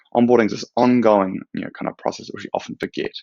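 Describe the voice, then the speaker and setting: This is a man speaking. He has a New Zealand accent. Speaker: product manager. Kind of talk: conference talk.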